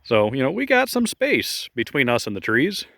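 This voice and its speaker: A man's voice: mid-range voice, huge pitch swings, moderate pace, gravelly, sharp tone, dry recording, clean studio sound. A man casually narrating a walking tour outdoors at a grassy field, rambling and chatty with many fillers, recorded on a phone he holds while walking. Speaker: model airplane club member giving a field tour. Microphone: phone held while walking.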